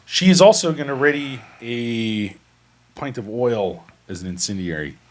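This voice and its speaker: A man's voice: mid-range voice, expressive, measured pace. A man running a tabletop game as game master, describing the scene methodically. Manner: methodical, explanatory.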